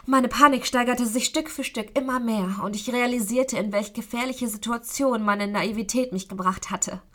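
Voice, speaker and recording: A woman narrating a story in calm, soft audiobook style, at times half-whispered. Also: a little high, moderate pace. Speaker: audiobook reader.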